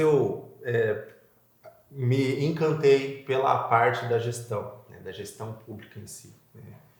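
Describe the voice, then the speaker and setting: There is noticeable background noise and audible room echo. A man talks at a medium pitch with ordinary pitch variation. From Altônia, Paraná, Brazil. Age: 30s. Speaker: municipal education secretary, local politician. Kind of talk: interview. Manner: halting, many fillers.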